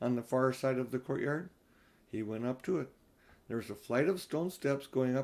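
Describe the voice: The speaker does plain reading aloud, and the pitch varies in an ordinary way.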